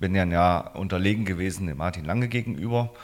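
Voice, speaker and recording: The speed is moderate. It is a man, and his voice sits very deep and low. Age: 40s. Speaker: mayoral candidate, town official. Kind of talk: interview. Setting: town hall office.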